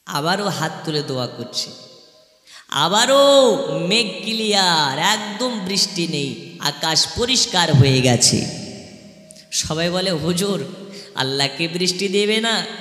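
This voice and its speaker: A man preaching a chanted sermon in a melodic sing-song voice, asking the crowd questions and sometimes breaking into shouts. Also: fairly high pitch, lively intonation, slow, long pauses. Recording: echoey hall sound with long reverb.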